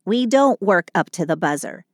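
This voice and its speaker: A woman's voice: mid-range voice, lively intonation, normal speed, no room sound, studio quality, natural voice. A woman voicing a sweet but sulky Christmas elf who vents to a partner in a dramatic, sardonic yet affectionate scripted audio roleplay. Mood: matter-of-fact, fond.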